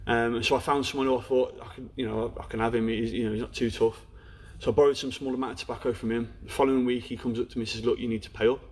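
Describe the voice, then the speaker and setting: Fast-talking Black Country man. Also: medium pitch, flat delivery, a little mellow, husky. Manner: frank, storytelling, peppered with "you know". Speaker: interview guest. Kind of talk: candid personal story in a podcast interview.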